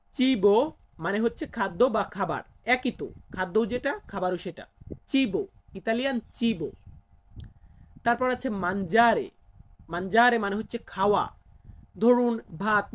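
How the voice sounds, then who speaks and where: A man teaching a recorded language lesson, patiently repeating each new word slowly and spelling some out. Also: high-pitched.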